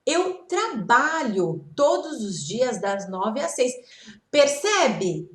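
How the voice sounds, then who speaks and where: A woman teaching English grammar from slides, speaking slowly and patiently when she models example phrases and checking in with her listeners as she goes. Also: a little high, very animated, fairly bright tone. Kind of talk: slide-based grammar lesson. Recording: echoey room, voice off-mic.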